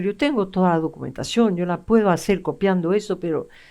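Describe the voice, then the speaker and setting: Dark, mellow tone with a non-native accent, fairly quick pace and ordinary pitch variation, on a very clean recording with a silent background. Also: woman. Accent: foreign-tinged Spanish. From French Morocco (Casablanca), raised outside Spain. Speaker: art curator. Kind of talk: public conversation. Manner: halting.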